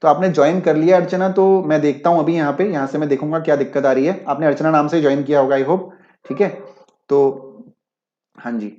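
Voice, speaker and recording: Higher-voiced teacher, echoey and dull. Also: male voice, steady tone, a little fast, mellow. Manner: mixes Hindi with English, keeps checking if students follow. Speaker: online exam-prep teacher. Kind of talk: live-class explanation with chat replies.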